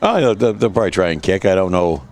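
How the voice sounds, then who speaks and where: A man's voice: deep voice, lively intonation, fast, darkish tone. A man giving easygoing color commentary on a local football game, explaining plays. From Canada. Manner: easygoing, analytical, many fillers.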